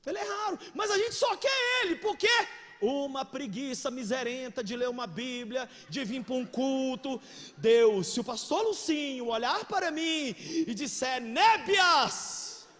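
High, lively pastor preaching in a hall. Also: male voice, unhurried. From Brazil. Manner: animated storyteller, bursts into shouts, slangy. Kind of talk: energetic sermon with acted anecdotes. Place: church hall. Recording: reverberant church hall.

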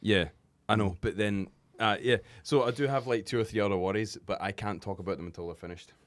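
A man's voice: lowish voice, fairly quick, no echo. A man who runs a small business, chatting on a podcast panel, giggling self-consciously and trailing off. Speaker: entrepreneur, panel guest. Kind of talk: casual podcast panel chat.

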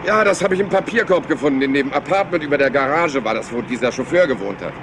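An actor playing a rumpled, polite police inspector in a crime radio play, hesitant and rambling as if scatterbrained. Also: male voice, medium pitch, lively intonation, fast, background noise, natural voice. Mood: musing, chatty. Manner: hesitant, rambling, courteous, mock-modest.

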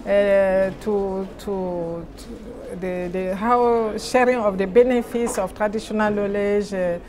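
Cameroonian woman speaking haltingly. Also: mid-range voice, steady tone, darkish tone. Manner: halting, searching for words in non-native English. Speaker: interviewee, NGO president. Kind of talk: interview answers. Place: large indoor conference venue lobby.

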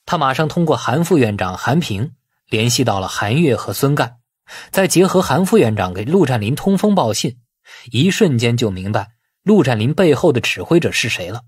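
A man reading a novel as dramatic scripted narration, in a husky voice. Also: medium pitch, big pitch swings, moderate pace, dry recording, clean studio sound. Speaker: audiobook narrator.

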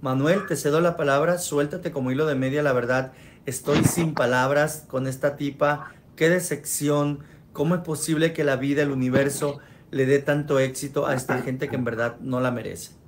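A man's voice: mid-range voice, steady tone, moderate pace, a little hiss or hum. A man hosting a gossip commentary show, indignant and emphatic. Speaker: show host.

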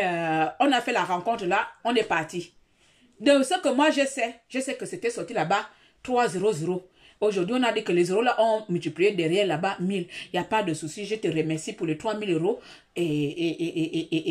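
A woman talking on a live stream, dramatic and repetitive, swinging between loud outbursts and quiet asides. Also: mid-range voice. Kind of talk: animated live-stream monologue.

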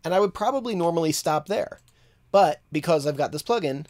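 This relaxed mixing tutorial comes from a man in his thirties sharing his screen in a home studio. He has a fairly high, fairly quick voice and thinks aloud as he works, with plenty of fillers.

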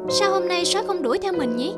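Naive little bunny for a cartoon, real high, excitable, music behind. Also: female voice, fast. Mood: amazed. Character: small, easily amazed forest rabbit. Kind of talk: cartoon voice acting.

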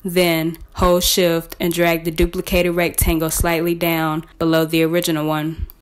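A woman presenting a scripted step-by-step software tutorial in a measured, instructional way. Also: lowish voice, completely flat delivery, clean tone.

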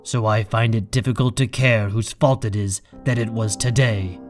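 A man's voice: lowish voice, fairly even intonation, moderate pace, music in the background, lightly acted. A man playing a proud, coldly angry man in an audio drama, speaking with cutting, sardonic control. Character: proud, defiant, coldly angry man facing his enemy.

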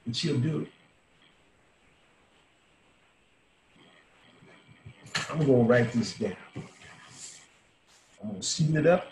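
A man's voice: mid-range voice, expressive, normal speed, darkish tone, natural voice. An actor in his sixties playing a dying, world-weary old bar owner in a folksy, salty, intimate dramatic monologue. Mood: wistful, resolute. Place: small room at home, indoors. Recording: roomy home webcam audio, faint hiss.

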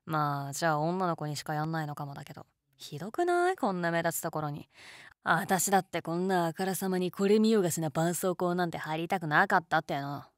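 Low-voiced, teasing college girl played by a woman. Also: no echo, clean studio sound, natural voice. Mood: teasing, amused. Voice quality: low-toned. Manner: teasing, casual, gently coaxing. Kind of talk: intimate situation-voice role-play, casual chat.

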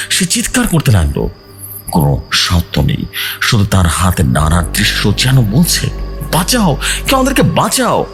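A man narrates horror in a low voice with extremely animated intonation. His phrasing is theatrical and suspenseful, built for scary storytelling. Music plays clearly underneath. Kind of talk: dramatic first-person horror narration. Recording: music bed behind the voice.

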